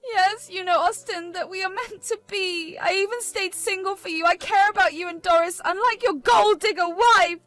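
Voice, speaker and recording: Woman playing a pushy high-voiced rival. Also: normal speed, few pauses, fairly bright tone, no room sound. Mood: insistent. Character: manipulative young woman rival, pushy and defiant.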